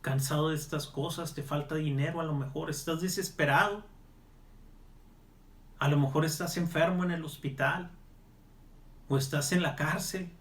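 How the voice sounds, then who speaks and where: Earnest higher-voiced male preacher. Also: steady tone, normal speed, long pauses, fairly bright tone. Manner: earnest, pleading, speaks straight to the listener. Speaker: evangelist pastor. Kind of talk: televised Bible study and prayer.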